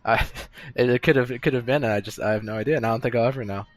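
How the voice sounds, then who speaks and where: A man's voice: medium pitch, racing, dry recording. A young man co-hosting a podcast from a pub, telling office stories in a rambling, self-interrupting casual chat. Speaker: podcast co-host. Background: bar chatter.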